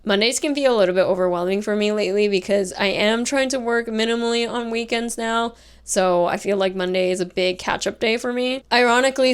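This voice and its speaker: A young woman vlogging casually to camera, soft-spoken and chatty, her voice worn and fading from talking all day. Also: mid-range voice, clear, resonant tone. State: tired, fading voice. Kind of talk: casual vlog talk.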